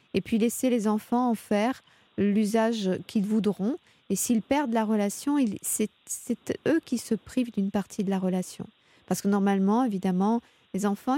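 Woman, radio advice host, calm and measured, dry close studio sound. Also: medium pitch, no room sound. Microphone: studio mic.

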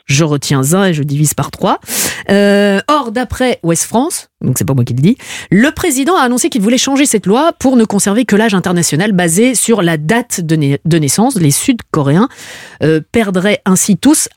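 A woman's voice: mid-range voice, animated, normal speed, a little mellow, dry recording, studio quality. A woman hosting a radio quiz game, playful and teasing, laughing often between questions. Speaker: radio game show host.

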